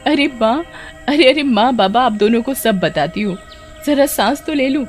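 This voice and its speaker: एक औरत बच्चों की कहानी में गांव की एक भोली जवान लड़की की आवाज़ कर रही है, जो भावुक होकर बोलती है और डरने पर हकलाती है।. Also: female voice, medium pitch, moderate pace, faint music behind, voice pushed up, close to an everyday voice. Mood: excited. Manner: tearful, stammering when scared. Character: sad young village girl teased for her hair. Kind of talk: children's storybook voice acting.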